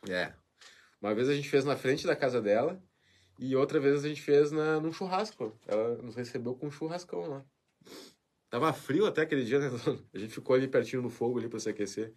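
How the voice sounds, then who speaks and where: A man's voice: medium pitch, brisk. Chatty male show host. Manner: emotional, warm farewell talk with frequent "né?". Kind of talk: live-stream show chat, reading viewer comments.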